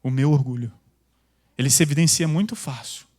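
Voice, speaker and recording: A male pastor preaching a sermon, intense and loud, with casual slang. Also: mid-range voice, brisk. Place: church.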